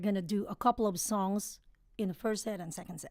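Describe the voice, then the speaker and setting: A woman speaks with a Filipino accent and ordinary pitch variation. The recording is very clean, with a silent background. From Philippines. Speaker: singer. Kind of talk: interview.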